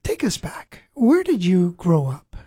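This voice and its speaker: A man hosting a Christian radio interview program, speaking in an earnest, measured way. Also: high voice, huge pitch swings, mellow, breathy edge, no echo. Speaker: radio ministry host.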